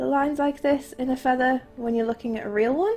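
A woman at a moderate pace with ordinary pitch variation, music playing in the background. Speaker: digital artist. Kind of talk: software tutorial narration. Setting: screen recording, low audio quality. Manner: casual, hesitant.

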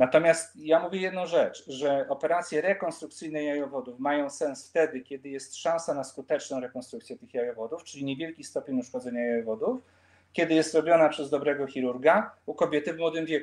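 A man with a plain, everyday voice talks at a fairly quick pace with hardly any pauses, using a fairly high pitch and ordinary pitch variation. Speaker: fertility doctor and professor. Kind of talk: expert Q&A. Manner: repeats words when thinking.

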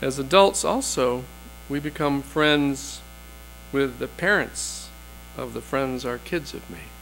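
Against light background noise, a man talks at a fairly slow pace. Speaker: speaker. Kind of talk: sermon. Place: church. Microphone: podium.

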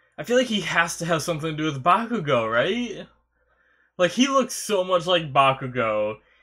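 A man's bright, sharp tone at a fairly slow pace. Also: quiet background. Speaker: reaction video host. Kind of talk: casual reaction commentary. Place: home room.

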